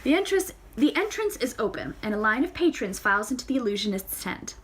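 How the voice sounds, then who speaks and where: A woman's voice: fairly high pitch, big pitch swings, a little fast, a bit bright. A woman reading a novel aloud casually, often correcting her slips and adding playful comments of her own. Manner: reads with fillers, self-corrections and playful side comments. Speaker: audiobook reader.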